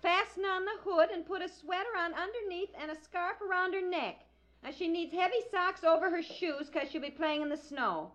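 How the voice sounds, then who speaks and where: An actress playing a flustered, put-upon wife, fretful and protesting, on a muffled old radio comedy recording. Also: female voice, extremely high pitch, normal speed, a bit bright. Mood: harried. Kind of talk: 1950s radio comedy acting.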